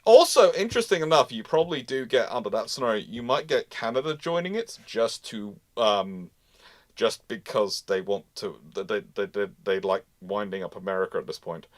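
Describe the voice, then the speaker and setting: On a live Q&A about naval history, the host speaks at a moderate pace in an animated voice on the low side, with no echo. He explains in a meandering way, often repeating himself and starting phrases over partway through.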